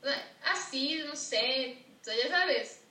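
A young woman from Yucatán with a Yucatecan accent, a podcast guest chatting casually and teasing with a quick laugh. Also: sits high, animated, sharp tone. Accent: Yucatecan Spanish. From Yucatán, Mexico. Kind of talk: casual chat. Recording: echoey room, distant mic, faint noise.

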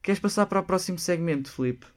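A man's voice: high voice, quick pace. A man with a European Portuguese accent hosting a casual radio chat, prompting his co-host with questions.

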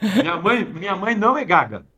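A man's voice: high-pitched, very animated, a little fast, sharp tone, voice pushed up, full character voice. A Brazilian comedian voicing a bumbling, childish man with a heavy stutter. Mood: goofy. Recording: dull lo-fi sound.

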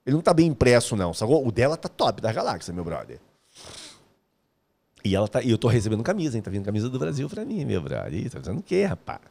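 A man from Rio de Janeiro, hosting a live music course stream, chatting casually with viewers in an energetic, slangy, joking way. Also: medium pitch, quick pace, creaky. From Rio de Janeiro, Brazil.

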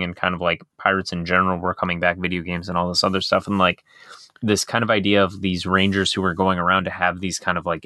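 Podcast co-host, low male voice, forceful tone, dry close sound, rambling chat. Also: dry recording. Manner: rambling, heavy on filler words. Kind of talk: casual chat.

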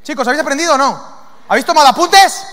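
Man, preacher, very high voice, lively sermon, long hall reverb. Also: fast. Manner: lively, asks the audience questions, acts out demons' lines.

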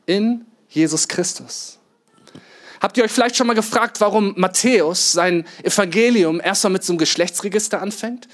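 A man with a rather high voice preaches a sermon. He tells the story vividly, asking his listeners rhetorical questions and acting out the quotes. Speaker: pastor.

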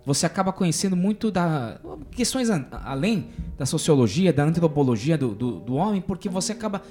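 A man's voice: a little high, a little fast, soft background music. A man hosting an interview, asking questions and reflecting with enthusiasm. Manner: enthusiastic, reflective, lively intonation. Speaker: host. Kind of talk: casual interview chat.

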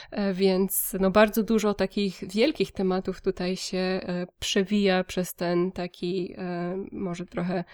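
A woman's voice: lowish voice, a little mellow, no echo, clean studio sound. A woman co-hosting a book podcast, reviewing books conversationally in a reflective, hesitant way with repeated words.

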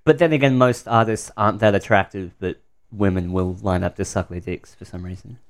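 A man's voice: fairly low pitch, steady tone, a little fast. A man chatting casually on a podcast, joking bluntly with his friends. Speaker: podcast guest. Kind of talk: casual chat.

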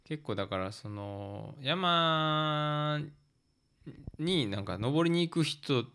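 A man's voice: on the high side, lively intonation, slow pace, bright, forceful tone, clean tone. A man with a Kansai accent telling stories in casual chat, a little hesitant and trailing off as he goes. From Kansai, Japan. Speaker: guest recounting a mountain work stay.

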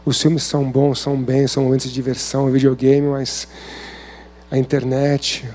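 A man's voice: medium pitch, monotone, moderate pace, warm tone. A man with a Brazilian Portuguese accent giving an informal sermon at a men's service, talking conversationally and asking many rhetorical questions.

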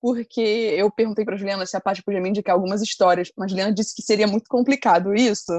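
A woman co-hosting a podcast, speaking at a mid pitch in a relaxed, conversational way. Her voice is recorded dry and close, with no room sound. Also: fast talker, dry recording. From Brazil. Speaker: podcast co-host. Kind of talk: casual chat.

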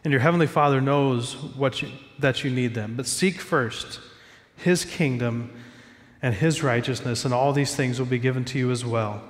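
A man's voice: medium pitch, moderate pace, big-room sound. A man preaching a sermon as pastor, stuffy from a cold, talking in a conversational, self-joking way from a church stage.

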